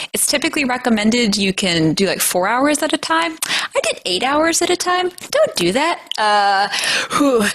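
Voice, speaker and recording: Chatty woman with a deeper voice. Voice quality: deeper-pitched voice. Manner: chatty, animated storytelling with laughs. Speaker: anime voice actress, guest. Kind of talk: casual interview chat.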